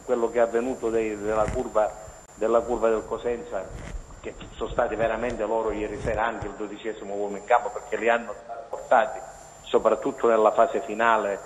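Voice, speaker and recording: A man's voice: fairly low pitch, flat delivery, fairly quick. Man over the phone, journalist calling in, rambling with restarts, echoey line, faint hiss. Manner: rambling, with frequent restarts and "eh" fillers. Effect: heard over a phone line. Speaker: journalist phoning in to a TV sports show. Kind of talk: casual sports commentary.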